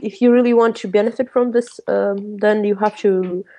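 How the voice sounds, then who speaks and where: A woman's voice: mid-range voice, steady tone, normal speed, dark tone. A woman talks casually with friends in a teasing, argumentative way. She presses her points with repeated questions and often breaks into laughter. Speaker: participant in a group chat. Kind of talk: casual chat.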